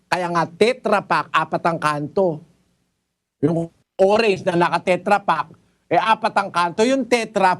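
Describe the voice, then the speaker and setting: A man, a preacher giving an emphatic, corrective Bible lecture to a caller, repeating his points and switching into English. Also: high voice.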